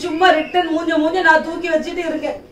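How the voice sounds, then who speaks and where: A woman's voice: very high voice, level tone, fast talker. A woman playing a sulky, wounded wife, giving curt replies in an amateur family skit. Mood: sulking. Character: sulking hurt young wife. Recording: echoey room, mic far off.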